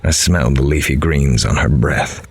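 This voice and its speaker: An actor playing a grim, dogged male crime reporter in a horror audio drama, with a measured, grave, dramatic delivery. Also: very deep voice, a little hiss or hum. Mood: tense, dark. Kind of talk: noir-like scripted horror narration.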